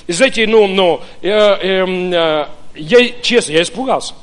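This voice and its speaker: A pastor from Ukraine preaching a sermon, telling his own story in an animated way with many hesitant fillers. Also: high-pitched, unhurried, clear, resonant tone. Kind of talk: sermon with personal testimony.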